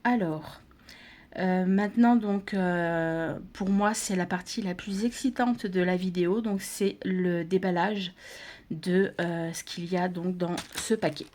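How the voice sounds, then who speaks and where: Slow, hesitant woman crafting vlogger. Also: on the low side, fairly even intonation, a little mellow. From France. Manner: hesitant, many fillers and restarts. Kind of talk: casual unboxing narration.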